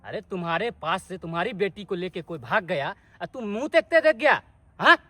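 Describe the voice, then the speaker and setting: A man's voice: high voice, lively intonation, brisk, sharp tone, dry recording, heavily acted. A man playing a mocking gang boss. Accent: Maithili. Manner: mocking, laughing, bossy. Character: swaggering male gang leader.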